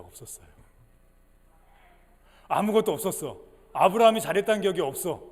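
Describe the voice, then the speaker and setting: A male pastor giving a lively sermon to children, acting out the story's voices and quizzing the kids. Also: high-pitched. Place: church sanctuary. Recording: long church hall reverb.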